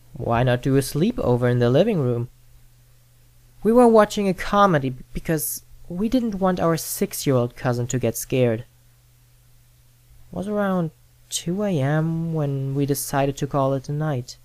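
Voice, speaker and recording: A performer plays a horror storyteller with an easygoing, halting delivery. The pace is very unhurried, with pauses between phrases. The sound is dry, with no room echo. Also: mid-range voice, lively intonation, a little mellow, natural voice. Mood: uneasy recollection. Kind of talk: scripted horror storytelling and acted banter.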